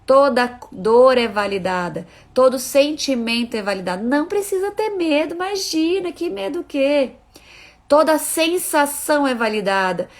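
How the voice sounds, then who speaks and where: A woman's voice: sits high, expressive, moderate pace. A woman parenting educator giving a live talk to viewers, emphatic and repeating her key phrases as she speaks straight to her listeners.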